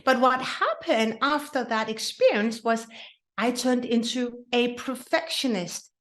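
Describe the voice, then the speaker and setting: Danish woman host, second-language speaker, earnest podcast monologue, higher pitch. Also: lively intonation, a little slow, fairly bright tone. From Denmark. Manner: earnest, with frequent restarts and repetitions. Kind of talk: casual solo podcast talk.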